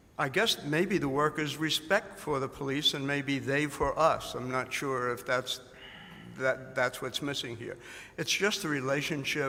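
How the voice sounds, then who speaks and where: A man with a slight Brooklyn accent speaks at a fairly slow pace in a bright, sharp tone. His pitch is fairly high, with ordinary pitch variation. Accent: slight Brooklyn New York. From New York, Brooklyn. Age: 80s+. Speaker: mayor. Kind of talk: panel discussion. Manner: halting, many restarts.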